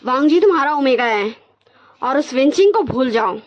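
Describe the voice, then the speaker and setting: A woman's voice: high-pitched, animated, moderate pace. A woman voicing a strict, middle-aged father who gives a firm warning, in a dull lo-fi recording. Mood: stern.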